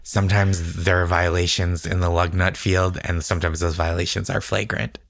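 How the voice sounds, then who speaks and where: A man's voice: low voice, flat delivery, normal speed, vocal fry, fairly bright tone, dry recording, studio quality. A man co-hosting a podcast in casual chat, encouraging and playfully curious. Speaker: podcast co-host and listener.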